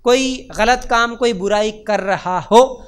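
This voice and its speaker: A man preaching, his voice pitched strikingly high for a man and notably clear and smooth. He drives his points home by repeating them and asking rhetorical questions. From India. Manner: emphatic and repetitive, with rhetorical questions. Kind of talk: religious lecture.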